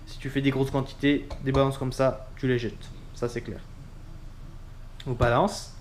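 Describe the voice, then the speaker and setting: A man casually demonstrating kitchen tools as a cooking instructor, chatty and informal, often pausing with fillers. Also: mid-range voice, level tone, a little hiss or hum.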